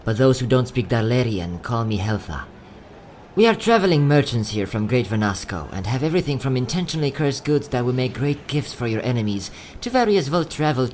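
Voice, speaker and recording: A man playing a courteous, quietly sad young travelling merchant in a fantasy audio drama, speaking in polite, theatrical salesman's patter. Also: mid-range voice, a little hiss or hum, natural voice. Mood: welcoming sales patter. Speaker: voice actor.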